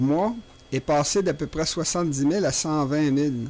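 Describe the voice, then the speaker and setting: A fairly high-pitched voice belongs to this man. The rise and fall of his pitch is ordinary. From Quebec. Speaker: political commentator and video author. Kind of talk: radio talk show interview. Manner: hesitant, many fillers.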